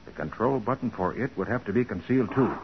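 An actor playing a confident, quick-witted private detective in a 1940s radio crime drama, brisk and decisive. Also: male voice, on the low side, animated. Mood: explaining. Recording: muffled noisy 1940s radio recording.

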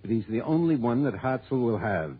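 A man's voice: medium pitch, very animated, brisk, slightly rough. An actor playing an opinionated, folksy male client who insists on his suspicions, in 1960s radio drama style. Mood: insistent. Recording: tinny old radio broadcast.

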